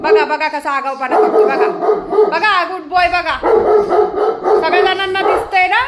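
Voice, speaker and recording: A woman, talking casually at home and loudly scolding and calling to her pet dog. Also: very high voice, measured pace. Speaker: pet vlogger. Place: home, indoors. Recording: echoey room, faint background noise.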